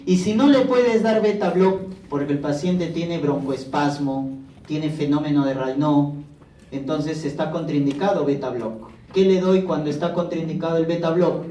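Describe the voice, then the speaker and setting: A man lectures on pharmacology in an echoey classroom, heard from a distance with slight background noise. His voice is fairly high and mellow, at a moderate pace. He poses questions to the students and then answers them himself.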